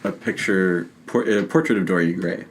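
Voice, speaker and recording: A man with a fairly low voice talks as a podcast co-host. His delivery is informal and conversational, like someone explaining things to friends. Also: moderate pace, slight background noise. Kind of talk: casual film and TV chat.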